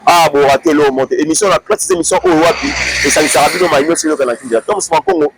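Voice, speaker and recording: A man's voice: on the high side, wildly swooping pitch, quick pace, creaky, background noise. A man with a Congolese French accent hosting a casual talk show, rambling with lots of fillers and restarts, recorded outdoors. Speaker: host. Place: outdoors in a busy street area.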